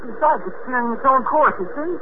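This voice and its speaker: A brash, excitable boy with a very high voice, slangy and know-it-all, in a 1950s space radio serial. The old recording is tinny, with clear background noise. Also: fairly quick. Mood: alarmed, awed. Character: cocky, excitable teenage boy rocket joyrider. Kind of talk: 1950s radio drama acting.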